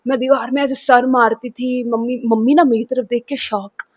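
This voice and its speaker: A young woman with a high voice tells a painful personal story straight to her viewers, slipping English phrases into her talk and repeating words as she goes. She acts out what was said to her, and the sound is close and dry with no room echo. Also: steady tone, moderate pace, a little mellow. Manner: mixes Hindi with English phrases, acts out quotes. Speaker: vlogger.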